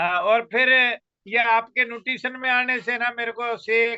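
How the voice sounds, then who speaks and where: Music plays in the background. Over it, a man talks in a high pitch. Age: 60s. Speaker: participant giving testimonial. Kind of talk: testimony.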